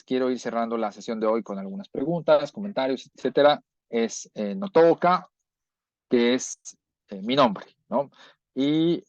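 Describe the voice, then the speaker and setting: A man's voice: mid-range voice, darkish tone, no room sound. Man teaching an online class. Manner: explanatory, checks understanding with tag questions. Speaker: language teacher. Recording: dull, lo-fi audio.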